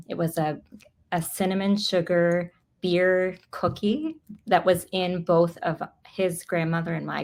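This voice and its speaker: Female guest, American accent, lowish creaky voice, conversational academic; faint room noise behind. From Los Angeles, United States. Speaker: guest author and professor. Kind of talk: conversational interview answers.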